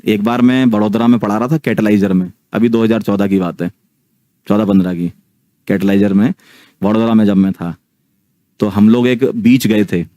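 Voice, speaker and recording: A man's voice: fairly low pitch, steady tone, moderate pace, warm tone, no room sound. A man in his thirties telling a ghost story casually to a live online audience, often checking in with his listeners. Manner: chatty, keeps checking in with the listeners.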